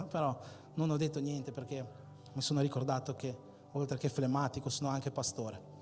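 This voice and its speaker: A man's voice: medium pitch, fairly even intonation, moderate pace, a little mellow. A man preaching a sermon as pastor, driving points home with repeated emphatic phrases. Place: church hall. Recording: long hall reverb with faint music.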